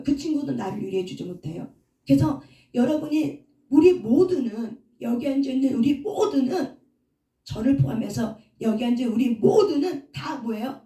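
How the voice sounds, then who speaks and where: A woman's voice: high-pitched, warm tone, recorded from a distance. A woman pastor giving a sermon, asking the audience questions and answering them herself. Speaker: pastor and counselor. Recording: echoey hall, voice from off mic.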